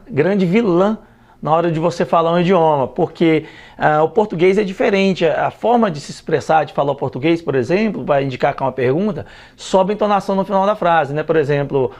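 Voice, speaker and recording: A man's voice: a little high, a little fast. A man, a language school founder, explains his teaching method in a studio interview, repeating words for emphasis. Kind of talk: studio talk show interview.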